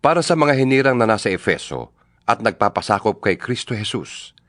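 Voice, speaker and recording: A man voicing a fervent apostle in a dramatized scripture reading, solemn and exhortatory with deliberate phrasing. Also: on the low side, expressive, a bit bright, no echo, clean studio sound. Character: Paul the apostle, fervent letter-writer to believers. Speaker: scripture reader. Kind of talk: dramatized audio Bible reading, scripted and declamatory. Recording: music bed under the voice. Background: background music.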